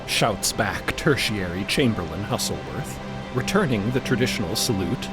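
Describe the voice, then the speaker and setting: A man narrating a fantasy audio drama in a deliberate, portentous, scripted style. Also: on the low side, expressive, loud music behind the voice.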